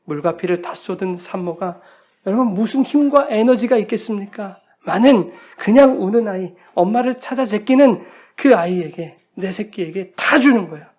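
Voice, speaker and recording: A male pastor preaching a sermon with earnest feeling. He often turns to the congregation and swings between loud lines and hushed ones. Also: high-pitched, lively intonation, normal speed.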